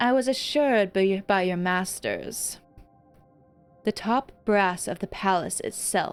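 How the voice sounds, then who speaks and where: A woman's shrill, put-on character voice at medium pitch, fairly slow, with ordinary pitch variation and faint music in the background. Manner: disdainful.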